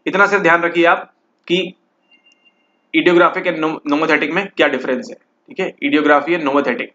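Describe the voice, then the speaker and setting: A man teaches exam questions at a measured pace, his voice a little high, bright, forceful and steady in tone. He mixes English into Hindi, checks in with the listener constantly and says "ठीक है" repeatedly, and the recording is slightly dull and lo-fi.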